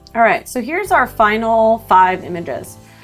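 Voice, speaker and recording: Music plays in the background as someone speaks with an American accent. The pace is moderate, with ordinary pitch variation. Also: woman. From Southern California. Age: 40s. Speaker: commercial photographer. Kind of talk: photo editing tutorial talk. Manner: casual.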